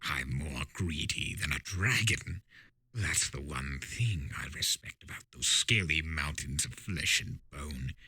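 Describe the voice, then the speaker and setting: A man voicing a fallen demonic centaur tyrant, proud, greedy and bitter, in a deep growling, menacing cartoon-villain delivery. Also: animated, slow pace, pushed and bright, breathy edge, no echo, exaggerated voice. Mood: proud, scornful. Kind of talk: dramatic fan fiction reading of a cartoon villain.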